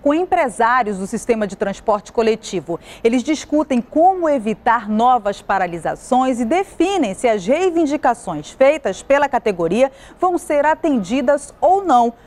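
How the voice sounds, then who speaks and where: High-voiced Brazilian woman news anchor. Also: big pitch swings, normal speed, hardly any pauses, darkish tone. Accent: Brazilian Portuguese. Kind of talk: scripted news reading. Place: TV news studio.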